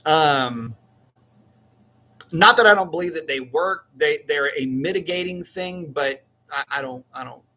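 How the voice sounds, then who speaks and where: A man's voice: a little high, a little slow, sharp tone. A middle-aged man hosting a casual live-stream chat, rambling and correcting himself in a folksy way. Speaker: livestream host.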